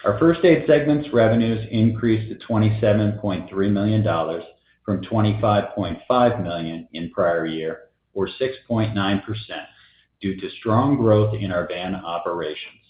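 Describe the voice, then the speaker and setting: Low-voiced man reading formally, echoey sound. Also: normal speed. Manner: formal, reading prepared figures. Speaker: company finance executive. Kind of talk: scripted earnings call presentation. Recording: echoey, slightly dull conference call audio.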